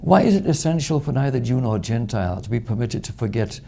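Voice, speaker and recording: A man hosting a TV interview, setting up long, measured questions for his guest. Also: medium pitch, lively intonation, gravelly, dark tone, slight background noise. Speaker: TV show host.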